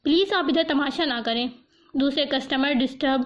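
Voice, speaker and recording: A woman voicing a flustered male shop manager who speaks in a hurried, apologetic way, on a dull lo-fi recording. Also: high-pitched, close to an everyday voice. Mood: hurried polite.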